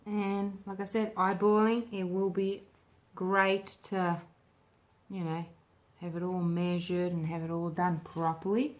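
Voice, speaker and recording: A woman with a fairly low voice and a slight smoky rasp talks through a hands-on demo. She is informal and chatty, thinking aloud as she goes, like a host showing viewers each step. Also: level tone, a little slow. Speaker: craft tutorial host. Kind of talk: casual hands-on demo chat.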